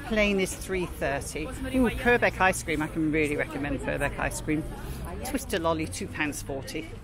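Strolling through a city park with a camera mic, a woman narrates a chatty, informal tour, reading out prices and history. Her voice is low-pitched with lively intonation and a moderate pace. Street noise, traffic, and a crowd can be heard behind her.

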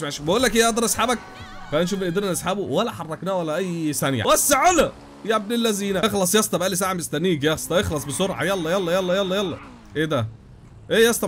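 A young man with an Egyptian Arabic accent giving rapid, animated gameplay commentary with frequent exclamations. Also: sits high, slight background noise. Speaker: gaming YouTuber.

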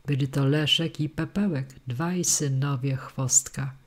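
A man narrating a historical tale in a measured, dramatic audiobook reading. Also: medium pitch, fairly even intonation. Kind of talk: scripted narration.

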